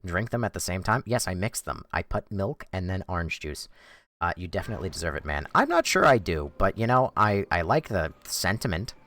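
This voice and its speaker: A man's voice: sits low, sing-song, brisk, fairly bright tone. Sarcastic young man streaming a game. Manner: sarcastic, yelps and shrieks in panic at the game. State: losing his voice. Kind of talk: live gameplay commentary reading chat.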